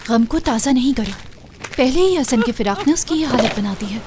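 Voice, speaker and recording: A woman voicing a sharp-tongued young woman who rebuffs a pushy suitor, curt and indignant. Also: on the high side, expressive, normal speed, background noise, close to an everyday voice. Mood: gentle.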